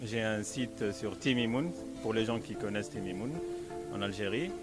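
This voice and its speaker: Low-voiced Algerian man, hesitant. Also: normal speed. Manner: hesitant, with fillers. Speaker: tourism operator. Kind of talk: interview answer. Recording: loud music over the voice.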